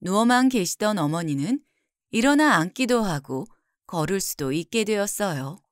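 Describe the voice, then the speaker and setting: A woman narrating a folktale gently as a storyteller, in scripted narration. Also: mid-range voice, expressive, no echo, studio quality. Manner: gentle and slow-paced.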